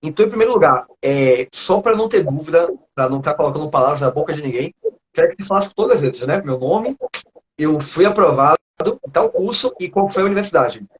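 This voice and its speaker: A man's voice: on the high side, fast talker, lo-fi sound. Chatty Brazilian man on a video call. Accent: Northeastern Brazilian. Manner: relaxed, chatty, laughs often. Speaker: chemistry teacher interviewing a student. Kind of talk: casual video-call interview.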